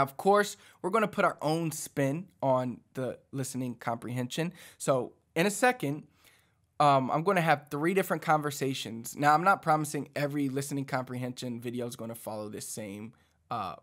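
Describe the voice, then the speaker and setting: A man in his thirties, a language teacher, explaining a lesson to camera in a casual, encouraging way, speaking into a studio mic in a small dark home studio. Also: a little high. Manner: animated, talks with his hands, conversational and encouraging. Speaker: Spanish teacher. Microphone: studio mic on boom arm in front.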